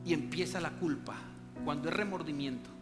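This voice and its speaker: A male pastor preaches in a high, ringing voice, swinging between fervent rises and quiet, low moments. His words trail off into a long church reverb, with instrumental music playing beneath. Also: brisk. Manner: preaching with emphatic rises and hushed drops. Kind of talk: sermon. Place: church hall. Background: soft instrumental music.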